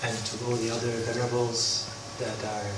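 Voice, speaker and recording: A man from the Netherlands, a Buddhist monk, giving an unprepared talk at an interfaith forum, halting with many pauses. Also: medium pitch, little pitch movement. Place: large hall. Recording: echoey hall from far off, background noise.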